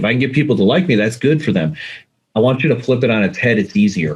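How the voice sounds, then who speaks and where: A man's medium-pitched, somewhat breathy voice at a very fast pace, with lively intonation. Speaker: communication coach and trainer. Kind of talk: webinar discussion.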